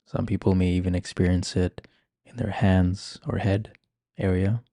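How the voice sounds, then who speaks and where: Low, dark-voiced man guiding meditation. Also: no echo, clean studio sound. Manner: calm, gentle, measured. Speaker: meditation guide. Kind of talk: guided meditation, ASMR-like instruction.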